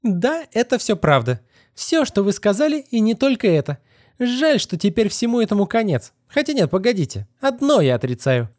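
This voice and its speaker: A man's voice: sits high, sing-song, moderate pace, a little mellow, no room sound, clean studio sound, pitched above the performer's own voice. A man voicing a defiant, scornful young woman who speaks with contempt. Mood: furious. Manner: contemptuous, furious outbursts. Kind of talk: audiobook character reading.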